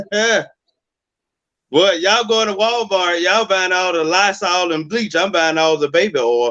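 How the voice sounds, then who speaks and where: A man speaks in a raised, projected voice with high pitch and a bright, sharp tone. His pitch variation is ordinary and his pace moderate. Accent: American. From Chicago West Side, US Midwest. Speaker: comedian. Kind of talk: stand-up.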